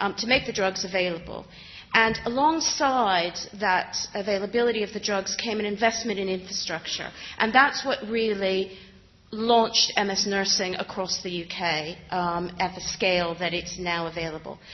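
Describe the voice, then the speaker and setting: A woman with an American accent at a moderate pace, with ordinary pitch variation, audible room echo and noticeable background noise. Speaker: nurse and charity director. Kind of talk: conference talk. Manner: hesitant with many fillers.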